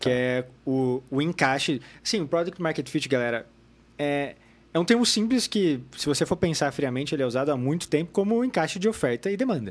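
A normal speaking voice from a man, fairly high in pitch, fairly quick, with lively intonation, on a very clean recording with a silent background. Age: young. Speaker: company co-founder. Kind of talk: interview.

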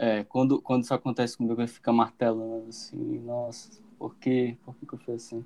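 This man talks at a moderate pace with hardly any pauses, his medium pitch held in a monotone, flat intonation and his tone dark and mellow. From Maranhão, Brazil. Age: 20s. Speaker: digital illustrator. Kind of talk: casual chat.

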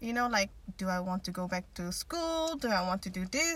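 This woman talks at a moderate pace with a Dutch accent. Her tone is bright and sharp. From Netherlands. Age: 20s. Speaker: entrepreneur. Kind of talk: interview. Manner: halting.

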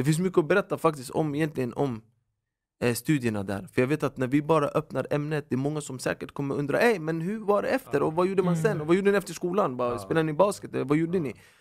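Speaking very fast, a man with a fairly high pitch uses lively intonation. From Sweden, Stockholm (Husby, Järva). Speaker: podcast co-host, former Medina student. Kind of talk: casual chat.

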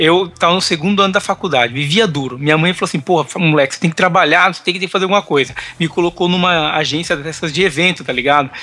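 A man with a fairly high pitch and ordinary pitch variation speaks at a very fast pace amid noticeable background noise. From Paraná, southern Brazil. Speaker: aviation worker. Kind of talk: casual chat.

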